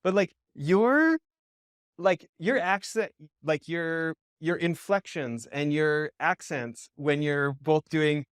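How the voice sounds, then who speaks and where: A man's voice: fairly high pitch, slow, smooth, dry recording, studio quality. A man from Western Canada hosting an interview, asking rambling questions full of restarts and fillers. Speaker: podcast host. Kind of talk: casual interview.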